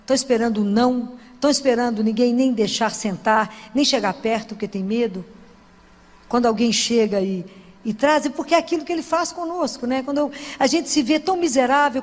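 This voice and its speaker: A woman with a Brazilian Portuguese accent giving a chatty sermon in church, full of tag questions and restarts. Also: fairly high pitch. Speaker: Catholic lay preacher. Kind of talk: conversational sermon. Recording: long church reverb.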